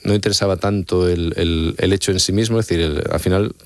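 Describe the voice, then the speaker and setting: Low-voiced, fast-talking man explaining earnestly. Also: fairly even intonation, no room sound. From Extremadura, Spain. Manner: explanatory, earnest, often checks in with "¿vale?". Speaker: author being interviewed. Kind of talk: radio-style interview answers.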